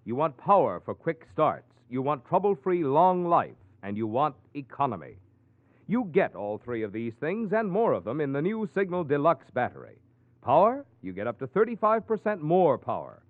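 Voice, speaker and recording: Casting: male announcer for vintage radio commercial, emphatic, lively intonation, dry thin sound. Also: no echo. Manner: emphatic question-and-answer pitch. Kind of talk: 1940s radio ad read. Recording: tinny, dry old radio recording.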